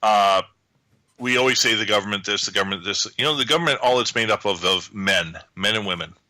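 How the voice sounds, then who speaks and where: A man's voice: lowish voice, fairly quick, bright, forceful tone, no room sound, low-quality recording. A man in a heated political discussion who talks insistently, repeating phrases to hold the floor. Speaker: guest commentator.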